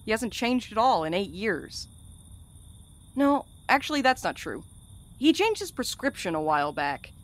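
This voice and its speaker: A woman's voice: medium pitch, very animated, moderate pace, close to an everyday voice. A woman acting in a fiction podcast as a sardonic, blunt courier with a dry, slangy, wisecracking way of talking. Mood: flustered. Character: sardonic, blunt, irreverent courier and loyal friend.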